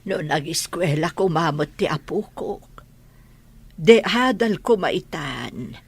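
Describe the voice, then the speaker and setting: A woman with an Ilocano Filipino accent acting a kindly, forgetful old grandmother in a radio drama, her voice husky and creaky. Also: deep voice, lively intonation, slow pace, dry recording, heavily acted. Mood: gentle, wistful.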